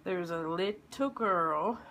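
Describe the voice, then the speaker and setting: A woman in her thirties with a slightly froggy, under-the-weather voice, telling a personal story informally and haltingly, as if to children. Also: fairly low pitch, a bit bright, a little hiss or hum. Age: 30s. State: sick with a lingering illness.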